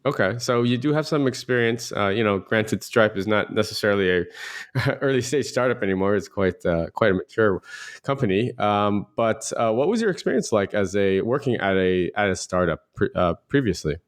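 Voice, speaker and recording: A man's voice: fairly low pitch, lively intonation, normal speed, clear, resonant tone. A man hosting a podcast, reading a polished intro and then asking questions with some fillers. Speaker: podcast host. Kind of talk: scripted intro, then casual interview questions.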